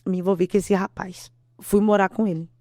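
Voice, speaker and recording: Uma mulher com sotaque brasileiro dá um testemunho de fé emocionado numa entrevista, repetindo frases e encenando falas. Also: female voice, mid-range voice, steady tone, a little fast, warm tone, no room sound, clean studio sound. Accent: Brazilian Portuguese. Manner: earnest, repeats herself, acts out quotes. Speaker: interview guest. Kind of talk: emotional testimony.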